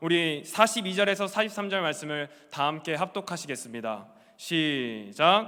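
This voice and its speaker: Very slow and high-pitched, a man speaks with a bright, sharp tone and lively intonation on a very clean recording with a silent background. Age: 30s. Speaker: junior pastor in charge of youth ministry. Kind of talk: sermon. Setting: church. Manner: formal.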